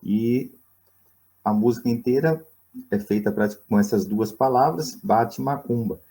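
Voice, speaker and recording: A Brazilian man teaching a history lesson in a low, warm, mellow voice. He talks to his students in a relaxed, conversational way, often checking in with "né?". He sounds like a teacher walking through a recorded class. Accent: Brazilian Portuguese. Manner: conversational, many fillers like "né" and "não é".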